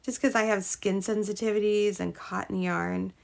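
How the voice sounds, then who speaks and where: A woman hosting a casual live crochet stream, chatting with viewers, her voice a little hoarse from a cold. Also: mid-range voice, fairly even intonation, normal speed. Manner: chatty, greets viewers, trails off and restarts. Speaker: crochet livestream host.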